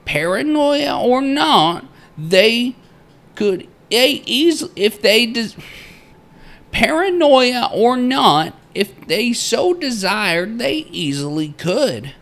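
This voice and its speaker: Man putting on a high-pitched, pompous old-time prospector. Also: sing-song, extremely slow, fairly bright tone, exaggerated voice. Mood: pompous, deliberate. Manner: florid, theatrical, self-important. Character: pompous, wordy male prospector writing in his journal.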